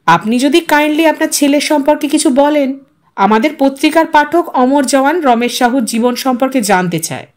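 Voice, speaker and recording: A woman's voice: high voice, expressive, moderate pace. A woman voicing an earnest, stubborn male newspaper correspondent in a story, formal in his questions and easily testy. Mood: probing.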